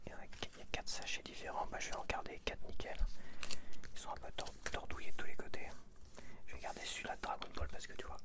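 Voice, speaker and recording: A man whispering an ASMR video, thinking aloud casually in short, hesitant phrases. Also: fast talker. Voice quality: whispered, unvoiced. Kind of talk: ASMR, casual chat while sorting sticker packets.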